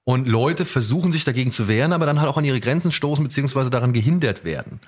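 A male podcast host talks in a loose, conversational way at a middle pitch. He is enthusiastic and rambles, often doubling back to rephrase what he has begun. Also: animated, quick pace. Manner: enthusiastic, rambling, self-correcting. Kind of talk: casual podcast chat about audio dramas.

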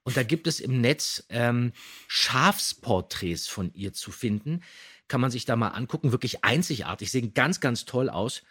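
A man hosts a casual podcast in a mid-pitched, slightly husky voice. He tells anecdotes and shares background facts in a chatty, animated storyteller's manner. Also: moderate pace. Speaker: podcast host.

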